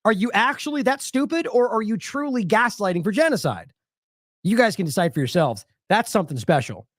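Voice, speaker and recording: A man's voice: high-pitched, sing-song, fairly quick, no echo, clean studio sound. An American man hosting an independent news show, delivering sarcastic, indignant commentary full of rhetorical questions.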